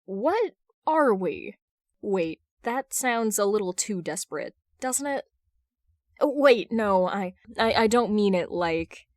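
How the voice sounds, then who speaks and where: A woman's voice: mid-range voice, lively intonation, slow pace, no echo, studio quality. A woman voicing a flustered, defensive man who stammers in fan fiction audiobook dialogue. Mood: flustered, awkward. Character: flustered, exasperated adult man, superhero in love.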